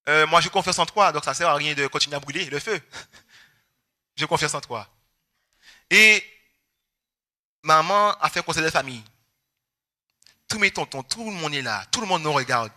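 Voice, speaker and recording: A young Guadeloupean man preaching a personal testimony, animated and storytelling, acting out his family's words. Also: a little high, normal speed, long pauses. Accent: Guadeloupean French. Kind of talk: testimony sermon.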